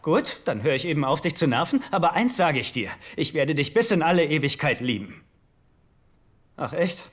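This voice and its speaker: A man's voice: a little high, sing-song, normal speed. An actor playing a naive, lovesick rich man in a dubbed sitcom, earnest, guileless and a little sulky. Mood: lovesick, pleading. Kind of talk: German-dubbed sitcom acting.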